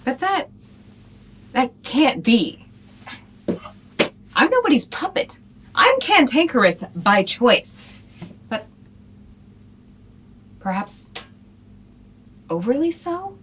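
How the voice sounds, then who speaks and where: A cantankerous, hot-tempered wasteland woman, played by an actress, whose voice swings widely in pitch. Faint noise hums under the recording of this post-apocalyptic comedy piece. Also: sing-song, takes it slowly, pauses often, a bit bright, heavily acted. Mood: brooding. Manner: huffy, then soul-searching.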